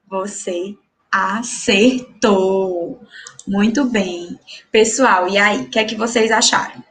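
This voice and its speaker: A woman's voice: on the high side, a bit bright. A woman teacher with a Brazilian Portuguese accent giving a recorded school lesson, patiently asking the class questions and praising their answers. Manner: slow, clear classroom delivery.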